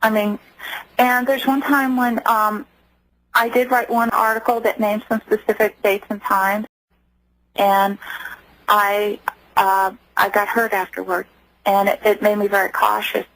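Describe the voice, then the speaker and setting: A woman giving earnest personal testimony as a radio interview guest, halting at times. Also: medium pitch, little pitch movement, a bit bright, no echo, rough recording. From United States. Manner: earnest, halting, acts out quoted voices.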